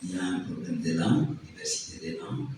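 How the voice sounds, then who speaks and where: A man examining a thesis, asking probing questions and then giving animated, preachy advice. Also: low voice, fast. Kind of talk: questioning and advising at a thesis defense. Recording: echoey hall, distant mic, faint noise.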